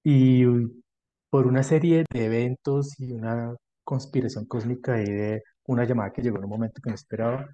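Colombian man with a mellow voice. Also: medium pitch, fairly even intonation, fairly quick, dry recording, muffled recording. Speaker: podcast guest, dentist specialised in prosthodontics and implants. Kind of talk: conversational interview answers.

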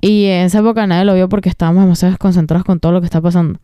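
Mellow-voiced woman podcaster. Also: on the low side, flat delivery, rapid-fire, clear, resonant tone, no echo, dull audio. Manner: emphatic and slangy, drops in English phrases. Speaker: podcast host. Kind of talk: casual podcast commentary.

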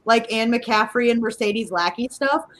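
A woman's voice: fairly high pitch, normal speed, fairly bright tone. A woman with a slight Ohio River Valley accent, rambling and amused in podcast chat.

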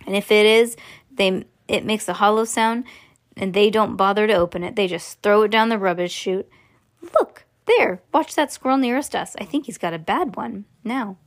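A woman reading aloud and voicing an eccentric, excitable man who runs a candy factory, brisk and showy. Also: mid-range voice, natural voice. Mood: explaining. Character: eccentric excitable male chocolatier, middle-aged.

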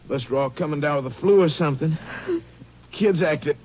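Actor as high-pitched, ailing rancher husband. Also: male voice, fairly quick, lightly acted. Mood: groggy, uneasy. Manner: unsteady, distressed, plain-spoken. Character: sick, groggy rancher, anxious husband and father. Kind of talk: 1950s radio drama acting. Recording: muffled, hissy old radio recording.

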